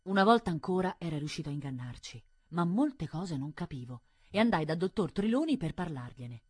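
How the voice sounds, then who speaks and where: Husky woman reading an audiobook. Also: on the low side, brisk. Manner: expressive, dramatic. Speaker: audiobook reader. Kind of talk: scripted literary audiobook reading.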